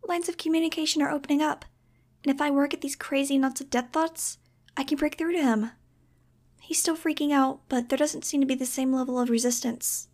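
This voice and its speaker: Lady putting on a little psychic girl voice, high n light, earnest, audiobook character. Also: fairly even intonation, fairly quick, a little mellow. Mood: hushed, determined. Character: young girl with psychic powers, weary, earnest, determined.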